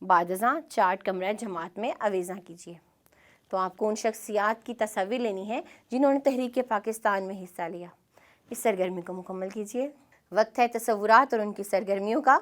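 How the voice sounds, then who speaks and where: A woman with a Pakistani Urdu accent, teaching a scripted classroom lesson in a clear, measured way. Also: mid-range voice. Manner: clear, measured instructional delivery.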